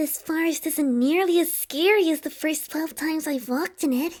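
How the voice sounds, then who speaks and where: A woman whispers in a squeaky, put-on character voice with a timid tone. Her pace is moderate. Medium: audio drama. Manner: whispering, timid.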